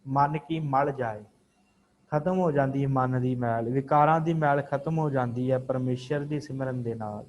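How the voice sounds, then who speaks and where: A man teaching an online scripture class, slowly intoning each verse and then explaining it, repeating how words should be pronounced. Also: medium pitch, darkish tone, muffled recording.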